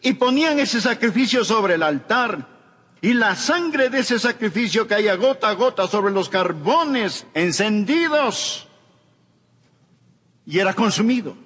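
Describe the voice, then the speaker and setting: A man preaching a sermon with a high, husky voice that rises and falls dramatically. He moves between emphatic raised lines and hushed passages, and his voice rings out with a long hall reverb. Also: lively intonation, unhurried. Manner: emphatic preaching with wide swings from loud to hushed.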